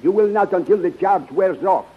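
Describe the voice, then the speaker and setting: An actor playing an earnest, fatherly scientist with formal, deliberate phrasing in a 1930s radio adventure. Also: sits high. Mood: earnest, cautioning. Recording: muffled, husky-sounding 1930s radio recording.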